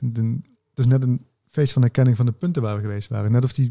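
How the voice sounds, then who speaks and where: With a dark, mellow tone and a somewhat breathy quality, a man speaks at a fairly quick pace, a medium pitch, and ordinary pitch variation. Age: 40s. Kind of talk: casual chat.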